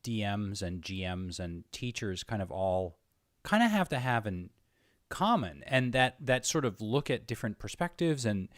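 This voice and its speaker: A man's voice: lowish voice, very animated, moderate pace, dry recording, studio quality. A man hosting a casual interview, thinking aloud and repeating words as he searches for the right phrase. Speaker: interviewer, host. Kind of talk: casual reflective conversation.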